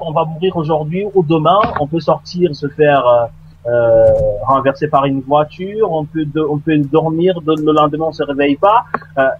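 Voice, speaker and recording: A man speaking as a guest in a radio debate, earnest and hesitant, with many pauses and fillers. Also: on the high side. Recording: dull lo-fi radio line with faint noise.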